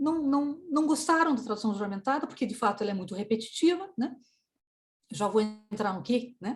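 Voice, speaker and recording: A woman's high-pitched voice, lively intonation at a fairly quick pace. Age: 60s. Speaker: sworn translator. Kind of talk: interview.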